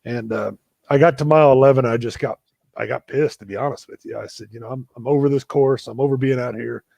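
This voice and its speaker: A man hosting a live video chat, telling a story in a relaxed, self-deprecating way. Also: medium pitch, fast, gravelly, dry recording, muffled recording. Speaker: running coach and show host.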